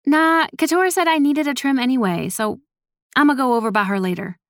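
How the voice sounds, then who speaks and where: A woman's voice: high voice, a little fast, no room sound, clean studio sound, pitched above the performer's own voice. A woman voicing a nervous, evasive young granddaughter with hesitant, informal speech in an audiobook.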